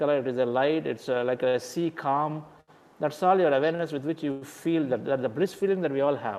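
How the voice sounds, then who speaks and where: A man speaks with a Telugu accent. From India. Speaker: meditation teacher and entrepreneur. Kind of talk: spiritual talk answering questions.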